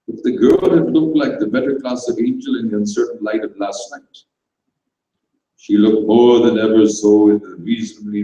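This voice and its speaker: A man giving a dramatised, measured reading of a comic short story in an indoor venue. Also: medium pitch, dark tone. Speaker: story reader. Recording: very echoey room, distant microphone.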